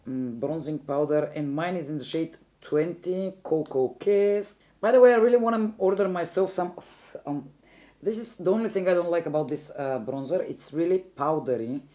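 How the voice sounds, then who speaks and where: Bulgarian-accented woman, mellow chatty voice. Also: deep voice, moderate pace. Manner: chatty, rambling, self-correcting. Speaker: beauty vlogger. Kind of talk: casual makeup tutorial chat.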